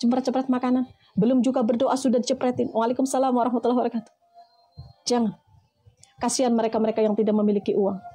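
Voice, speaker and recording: High, mellow-toned woman preacher giving a motivational talk to her listeners. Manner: addresses listeners as friends, asks rhetorical questions.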